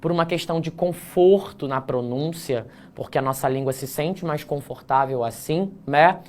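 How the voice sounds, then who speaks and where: A man teaching an online essay-writing class, joking at his own slips, drawing words out slowly to show how they are pronounced, and checking in with the class often. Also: fairly high pitch. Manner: playful, self-mocking, frequent "tá?" check-ins; stretches words slowly to demonstrate pronunciation.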